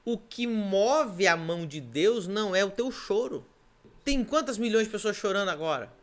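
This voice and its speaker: On a podcast, a man from Brazil preaches with emphasis, hammering home his points through repetition and a stream of rhetorical questions. He is a pastor with a Brazilian Portuguese accent. His high voice is expressive, and he keeps a normal pace.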